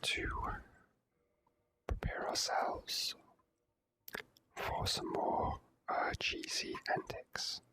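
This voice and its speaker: Slow, hushed ASMR whisperer. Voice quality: soft unvoiced whisper. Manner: slow, halting delivery with pauses. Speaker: let's play host. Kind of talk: ASMR whispered game commentary.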